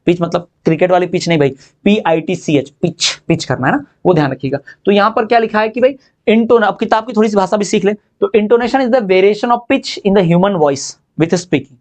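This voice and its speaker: A man teaching an exam-prep lesson, explaining in Hindi and reading English definitions slowly. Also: high-pitched, a little mellow.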